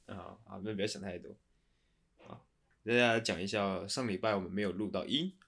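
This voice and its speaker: A man's voice: on the low side, fairly even intonation, moderate pace, vocal fry, fairly bright tone. A man co-hosting a podcast in casual, friendly chat. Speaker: podcast co-host.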